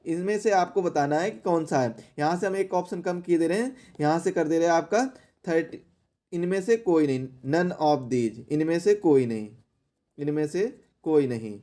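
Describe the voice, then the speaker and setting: A man's voice: a little high, normal speed, mellow. A man teaching an exam question-and-answer lesson in a didactic way, repeating key phrases for emphasis.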